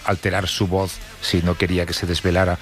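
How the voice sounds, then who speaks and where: A man's voice: low voice, level tone, fairly quick, a bit bright. A man hosting a radio talk show, bantering and joking, often repeating words as he corrects himself. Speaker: radio host. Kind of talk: casual radio chat with co-hosts.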